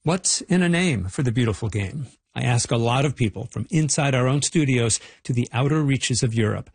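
A man's voice: mid-range voice, lively intonation, normal speed, slightly rough, dry recording. A man reporting a radio feature in a wry, playful narration.

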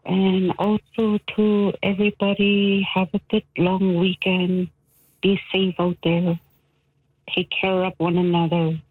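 A woman calling in to a radio show, speaking softly and slowly as she lists greetings to family. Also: on the low side, little pitch movement, dry recording. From Canadian Arctic. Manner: soft, slow, listing greetings. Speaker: caller. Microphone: phone line. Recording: tinny dry phone line.

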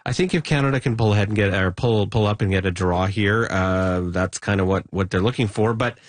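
A man anchoring a live newscast in a steady, measured way. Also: lowish voice, no echo. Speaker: news anchor.

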